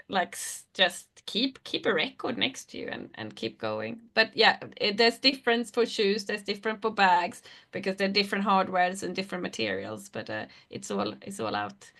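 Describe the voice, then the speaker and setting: Give me a woman with a crisp, bright tone answering questions on a live video call panel. She talks casually and loosely, letting sentences drift and trail off as she thinks. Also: mid-range voice. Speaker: panel speaker, designer.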